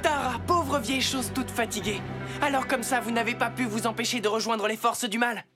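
A woman's voice: on the high side, steady tone, moderate pace, music in the background, natural voice. A woman voicing a cocky, plucky young superhero in a French cartoon dub. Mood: taunting. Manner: cocky, brash. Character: sassy, plucky young superhero babysitter in pink.

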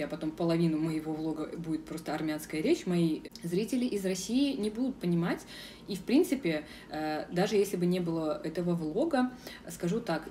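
A young Russian woman vlogs casually and speaks frankly from a city square, often pausing on filler sounds. Her voice is slightly low, soft, and mellow. She's recorded outdoors from some distance, with faint street noise in the background.

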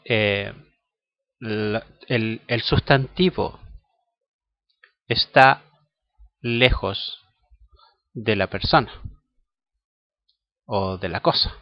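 A man teaching English in Spanish, a native Spanish speaker who patiently explains each step and repeats answers slowly. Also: medium pitch, no echo. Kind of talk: slow language lesson. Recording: dull lo-fi audio.

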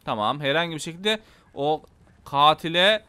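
Excitable high-voiced Turkish man gaming. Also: normal speed, clear, resonant tone. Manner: excitable, swears playfully, talks to viewers. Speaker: gameplay YouTuber. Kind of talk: casual gameplay commentary.

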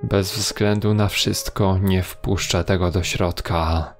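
A man reading a horror story in a measured, grave storytelling manner. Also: sits low, steady tone. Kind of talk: scripted horror narration. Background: faint music.

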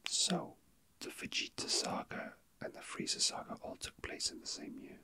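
The clip features an ASMR host handling small objects and whispering laid-back, unhurried chat close to the mic. They mostly muse to themselves in a hushed voice.

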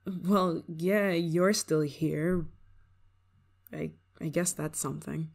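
A woman's voice: sits low, steady tone, slow, creaky, a little mellow, full character voice. A woman playing a prickly, homesick young performer in an ASMR roleplay, grudging in manner but secretly fond of an old friend. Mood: reluctant. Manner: tsundere, grudging, sighing, secretly affectionate. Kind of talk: ASMR roleplay, acted monologue to listener.

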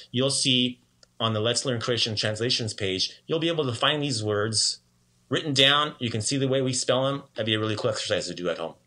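A man teaching a casual language lesson in an upbeat, chatty way, repeating words slowly for learners. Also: medium pitch, pushed and bright.

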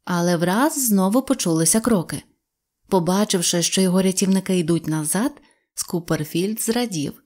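A woman reading a children's audiobook aloud, with lively storytelling. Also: on the low side, normal speed. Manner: lively storytelling, voicing characters. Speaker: audiobook narrator.

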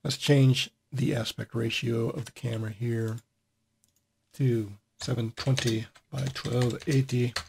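A man hosting a casual screen-recorded tutorial, his voice at an ordinary middle pitch. He thinks aloud as he works, loose and unhurried. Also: vocal fry, background noise. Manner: thinking aloud with fillers and restarts, relaxed. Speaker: software tutorial host.

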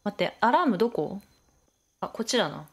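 Lively woman narrating her own gameplay. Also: mid-range voice, a little fast, breathy edge. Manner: chatty self-talk, frequent laughter and surprised exclamations. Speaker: game streamer. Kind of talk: Let's Play commentary.

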